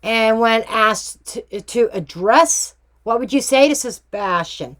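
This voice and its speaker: A woman's voice: fairly high pitch, lively intonation, slow, a bit bright. A woman hosting a casual true crime tarot reading vlog, chatty and emphatic with slangy asides. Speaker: tarot reader and true crime channel host.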